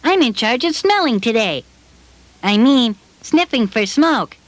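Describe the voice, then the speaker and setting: Stan, a cheerful puppet sniffer. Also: female voice, fairly high pitch, big pitch swings, measured pace, no echo. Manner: friendly, reassuring, talks straight to children. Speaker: puppet character teaching fire safety. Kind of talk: children's puppet show.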